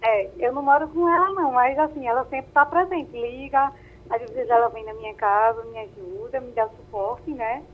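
A woman's voice: a little high, normal speed. A woman calling in to a radio show over a landline phone. She talks casually and often tags phrases with a questioning "né?". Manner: soft-spoken, often ends phrases with a questioning "né?". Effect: heard over a landline phone. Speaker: caller. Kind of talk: casual call-in chat. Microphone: telephone handset. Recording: tinny, narrowband phone line.

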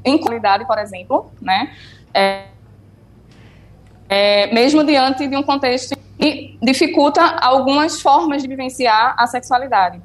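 A woman psychologist speaks slowly over a remote connection on a radio program, in a slightly high voice. She is hesitant and pads her thoughts with fillers and "né". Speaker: psychologist guest. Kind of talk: explaining on a radio show.

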